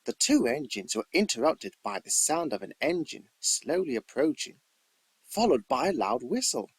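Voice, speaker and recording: A man's voice: mid-range voice, very animated, moderate pace, breathy edge, no room sound. A man reading scripted storybook narration as an amateur narrator, with theatrical emphasis.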